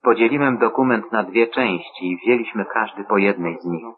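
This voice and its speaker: A devout old blind father speaks in a low, husky voice, read by a man. The delivery is solemn and measured, like scripture read aloud. The sound is thin and tinny, as if heard over a phone line. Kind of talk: scripture reading.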